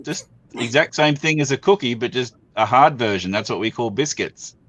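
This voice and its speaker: A man's voice: mid-range voice, animated, brisk, fairly bright tone, dry recording. A man explaining things patiently in casual chat, with a teasing edge.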